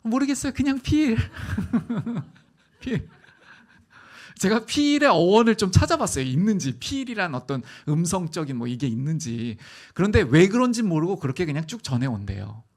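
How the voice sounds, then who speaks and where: A man preaching a sermon as pastor, telling stories with animated, acted-out voices. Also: fairly high pitch, brisk, hardly any pauses. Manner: animated storytelling, acting out voices. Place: church sanctuary.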